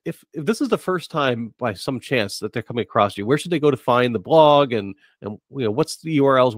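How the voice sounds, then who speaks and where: A man's voice: medium pitch, dry recording, studio quality. Guy hosting a podcast, medium voice, chatty interview style, no room sound at all. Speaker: podcast host. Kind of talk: casual interview.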